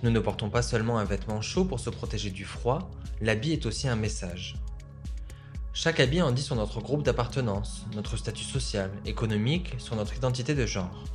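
A young man hosting a podcast, reading a reflective scripted introduction and asking interview questions in a measured way. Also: lowish voice, darkish tone, soft background music. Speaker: podcast host.

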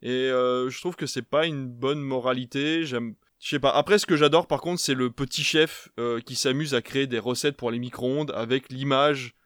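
A man's voice: medium pitch, steady tone, moderate pace, few pauses, a bit bright, no room sound, clean studio sound. Hesitant man from Belgium on a film podcast. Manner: hesitant, many restarts and fillers. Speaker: podcast co-host. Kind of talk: casual film discussion.

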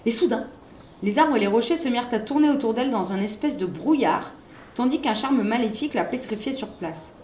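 A woman reading a children's book aloud in an expressive, lively storytelling manner. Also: on the high side, a little fast, reverberant, slight background noise. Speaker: reader.

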